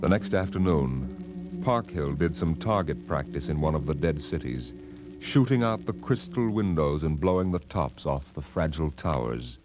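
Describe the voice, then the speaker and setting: Very deep male radio drama narrator. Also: expressive. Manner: measured, dramatic, literary delivery. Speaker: host and narrator. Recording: old 1950s radio recording. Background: music.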